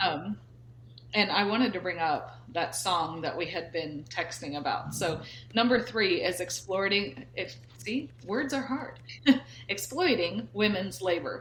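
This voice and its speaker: Audible room echo carries a woman's voice at a fairly slow pace. Her medium pitch moves in very wide swings. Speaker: podcast co-host. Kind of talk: casual chat.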